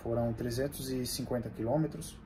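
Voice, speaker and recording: A young adult Brazilian man speaking Brazilian Portuguese in casual conversation, telling of his work in a halting way and often restarting his phrases. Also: medium pitch, steady tone, a loud crowd. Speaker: bricklayer sharing experience. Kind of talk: casual chat.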